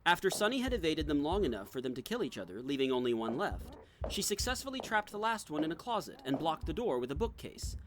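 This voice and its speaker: A man's voice: fairly high pitch, very animated, fast talker, background noise. A man reading scripted, dramatic narration as the narrator of an audio drama.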